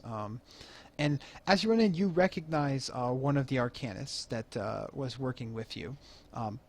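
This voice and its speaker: A man narrating a tabletop game as game master, rambling with lots of "um" and "like". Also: mid-range voice. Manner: rambling, full of "um" and "like".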